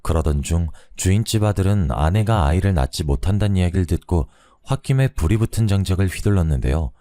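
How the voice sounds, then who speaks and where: A man with a very low, dark voice narrates a first-person story in a calm, even way. The sound is dry and close. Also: quick pace, dry recording.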